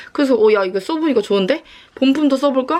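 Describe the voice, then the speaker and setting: A woman with a high pitch talks in an animated tone with very wide pitch swings against noticeable background noise. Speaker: beauty YouTuber. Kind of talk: product review tutorial. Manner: fast.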